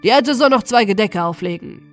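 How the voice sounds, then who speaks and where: A woman voicing a boisterous, commanding male robber captain in a storybook reading, hearty and loud. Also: medium pitch, lively intonation, a little fast, soft background music, close to an everyday voice. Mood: jovial, commanding. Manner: loud, jovial, commanding exclamations. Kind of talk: storybook character voice in an audiobook.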